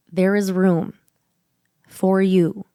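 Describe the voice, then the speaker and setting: A woman's fairly low, husky voice, dark and mellow in tone, in a very clean recording with a silent background. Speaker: Reiki practitioner and spiritual coach. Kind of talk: motivational podcast talk.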